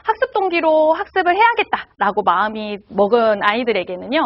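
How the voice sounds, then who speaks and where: A woman's voice: a little high, muffled recording. A woman giving a lecture to parents, asking the audience rhetorical questions.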